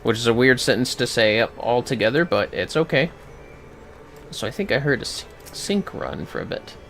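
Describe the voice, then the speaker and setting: Animated man livestreaming a game. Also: mid-range voice, moderate pace, soft background music. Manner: irreverent, swearing, jokey asides. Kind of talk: casual play-by-play commentary, reading dialogue aloud.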